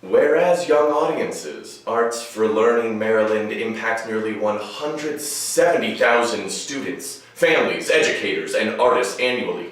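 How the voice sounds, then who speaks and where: A man's voice: on the low side, expressive, a little slow, hardly any pauses, fairly bright tone. A man, an actor giving a comic dramatic reading of a formal proclamation. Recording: very echoey room, distant mic.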